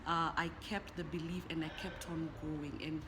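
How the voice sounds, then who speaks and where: Woman from kenya, lowish voice, earnest and steady, noisy lobby behind her. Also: moderate pace. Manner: earnest, steady, repeats words as she thinks. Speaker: network marketing leader, guest. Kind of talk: interview answer.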